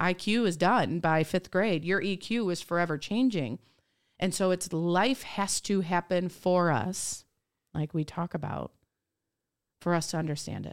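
In an unremarkable speaking voice, a woman with a fairly low pitch talks at a fairly slow pace with ordinary pitch variation on a very clean recording with a silent background. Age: 40s. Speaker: teacher with alopecia. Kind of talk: casual chat.

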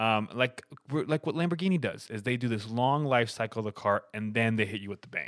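A man with an unremarkable speaking voice, medium pitch and ordinary pitch variation, fairly quick, in a dry, close sound with no echo. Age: 20s. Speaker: car podcast co-host. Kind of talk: casual chat.

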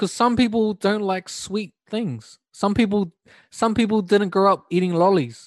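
Over a quiet background, a man with a New Zealand accent speaks fairly slowly at a high pitch with ordinary pitch variation, the sound dry and close with no echo. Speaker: DJ and hip hop artist. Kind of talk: casual chat, interview. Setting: video call.

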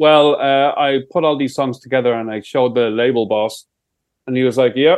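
This man, with an Irish accent, has a fairly high pitch. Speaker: podcast co-host; DJ. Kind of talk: casual chat.

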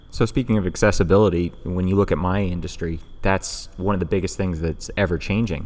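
A man with an American accent, very deep and low in pitch, fairly even in intonation, at a very fast pace. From New York. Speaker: music video director. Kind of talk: casual chat. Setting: warehouse venue.

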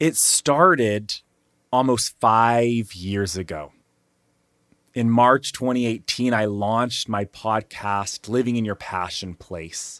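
A man with an American accent speaks very slowly at a medium pitch with ordinary pitch variation, in a very clean recording with a silent background and a dry, close sound with no echo. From Central California. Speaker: podcast host. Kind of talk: solo podcast monologue. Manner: animated.

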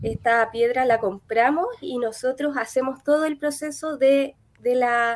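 Talking at a fairly slow pace, a woman uses a high pitch with ordinary pitch variation. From Chile, Coquimbo region (Tulahuén). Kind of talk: interview.

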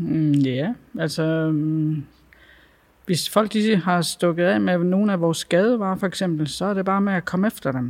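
A woman talks at a fairly slow pace with a fairly low pitch and ordinary pitch variation. She has an unremarkable speaking voice, and the background is quiet. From Denmark, Jutland (Tørring area). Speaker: shop manager. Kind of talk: casual chat.

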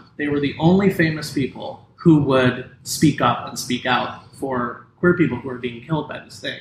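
Here is a man with a plain, everyday voice, pitched fairly high. He keeps a moderate pace with ordinary pitch variation. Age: 40s. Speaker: writer and comedian. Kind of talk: casual chat.

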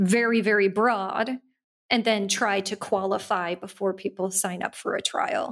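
A woman with an unremarkable speaking voice, fairly high in pitch, in an American accent, fairly slow and with fairly even intonation. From United States. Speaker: startup founder. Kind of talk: casual interview.

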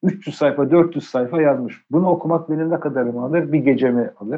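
This man has an ordinary speaking voice, pitched fairly high, with ordinary pitch variation and a moderate pace. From Turkey, Adana. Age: 50s. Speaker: sociologist, writer and journalist. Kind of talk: casual chat.

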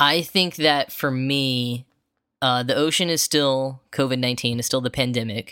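Moderate pace with a slight Midwestern accent. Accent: slight Midwestern American. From US Midwest. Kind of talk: casual chat. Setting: remote recording over call.

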